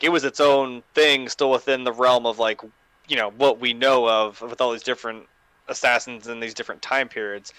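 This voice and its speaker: A man's voice: medium pitch, bright, forceful tone, dry recording, poor audio. A man in a casual panel discussion, talking in a rambling, discursive way. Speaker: podcast co-host or panelist.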